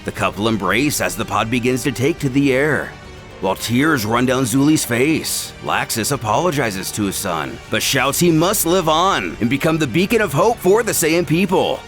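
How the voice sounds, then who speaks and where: Guy doing dramatic story narration, really animated pitch, emphatic delivery, music playing behind him. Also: normal speed. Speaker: narrator and video host. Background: background music.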